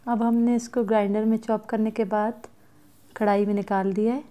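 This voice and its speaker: A woman at her home stove talks viewers through a recipe in a calm, instructive voice at an ordinary pitch. A faint hiss of frying and kitchen noise sits under her voice. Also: moderate pace. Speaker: cooking vlogger. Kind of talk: step-by-step cooking narration.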